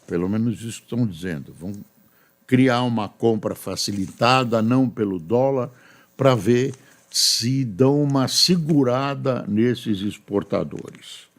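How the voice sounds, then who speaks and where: Older brazilian newsman, gravelly voice, takes his time reading the papers and chatting about them. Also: mid-range voice, a little mellow. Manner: unhurried, chatty asides between readings. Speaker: news anchor. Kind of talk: reading and commenting on newspapers.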